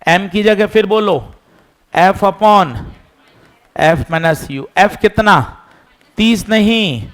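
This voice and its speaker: Slow, patient male physics teacher. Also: sits high, fairly bright tone. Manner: patient, repeats steps, scolds chatter. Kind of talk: classroom lesson.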